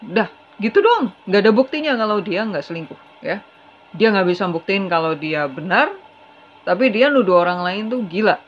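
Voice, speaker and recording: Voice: medium pitch, lively intonation, normal speed. A tarot reader giving a casual, chatty reading straight to the viewer, earnest and advising. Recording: slightly dull with faint hiss.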